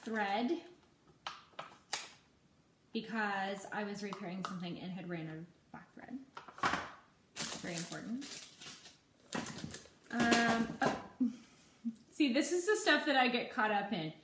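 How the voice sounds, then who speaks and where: A woman's voice: mid-range voice, lively intonation, takes it slowly, pauses often. A woman in her thirties, a nail technician, chatting casually and rambling with many ums in a living room, recorded on a camera mic. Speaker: nail technician and salon owner. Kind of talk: casual shopping-haul vlog. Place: living room at home, indoors. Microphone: camera mic at table distance. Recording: echoey room with clear background noise.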